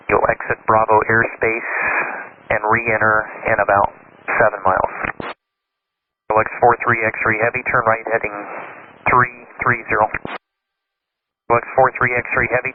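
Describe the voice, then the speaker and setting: A man working as an approach controller, giving procedural flight instructions over the radio. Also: lowish voice. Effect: radio transmission. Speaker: air traffic approach controller. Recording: phone-like radio with light noise.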